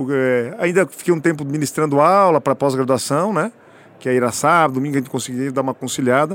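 This man's fairly high voice shows ordinary pitch variation and races along at a very fast pace. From Paraná, Brazil (raised in Pato Branco). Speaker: state politician and businessman. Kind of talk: casual podcast interview.

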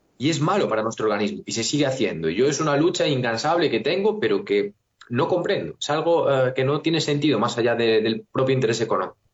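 A man talks at a very fast pace with a Galician accent, hardly pausing at all. His pitch swings very widely. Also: medium pitch for a man. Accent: Castilian Spanish, Galician. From Spain, Galicia (A Coruña). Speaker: nutrition writer and author. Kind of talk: interview.

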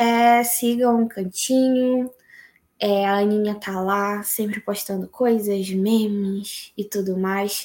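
On a very clean recording with a silent background, a woman speaks at a very slow pace with medium pitch and fairly even intonation. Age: 20s. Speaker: religious social media page administrator and university student. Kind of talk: casual chat.

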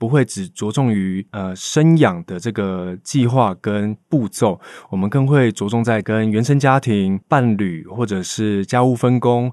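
In a normal speaking voice, a man talks at a fairly slow pace with hardly any pauses and ordinary pitch variation, the sound dry and close with no echo over a quiet background. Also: fairly low pitch for a man. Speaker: advocacy organization staff, co-host. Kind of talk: podcast interview.

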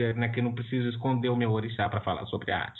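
The speaker is a man with a medium pitch. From Brazil, São Paulo city. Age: 30s. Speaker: visual artist. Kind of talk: interview.

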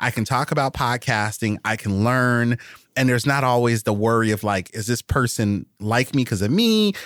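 An unremarkable speaking voice from a man with an American accent, medium pitch, moderate pace, ordinary pitch variation and very even loudness, dry and close with no echo on a very clean recording with a silent background. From Chicago, South Side. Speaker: podcaster and former teacher. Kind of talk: casual interview.

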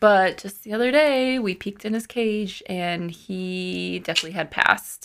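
A woman with a Minnesotan accent, medium pitch, lively intonation and a fairly slow pace.

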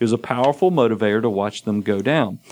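A man talks very fast in a strong Southern US accent, with ordinary pitch variation. The recording is very clean, with a silent background. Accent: Southern US, thick. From US South. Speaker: financial advisor podcast host. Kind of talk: casual educational talk about retirement. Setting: studio.

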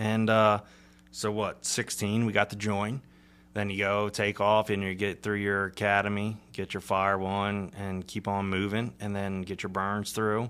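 A man talks at a fairly slow pace with a fairly low pitch. His intonation is monotone and flat, on a very clean recording with a silent background. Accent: American. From southeastern Pennsylvania. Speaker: firefighter and small business owner. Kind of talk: casual interview.

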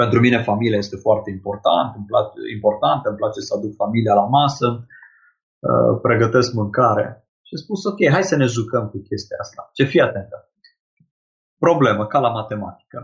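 Here a man speaks at a moderate pace in a medium pitch, somewhat breathy. His intonation is lively. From Transylvania, Cluj. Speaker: diction coach. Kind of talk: interview. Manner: articulate.

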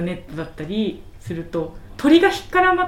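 With noticeable background noise behind her, a woman's pitch swings very widely. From Ibaraki, Hitachi. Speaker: bird researcher. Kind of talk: radio interview. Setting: co-working space in old farmhouse. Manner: hesitant, many fillers.

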